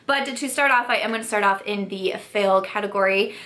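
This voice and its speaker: A woman's voice: mid-range voice, fairly quick, bright, forceful tone. A young woman vlogger, losing her voice from a sore throat, chatting frankly through makeup reviews with lots of likes. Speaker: beauty vlogger. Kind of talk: casual product review.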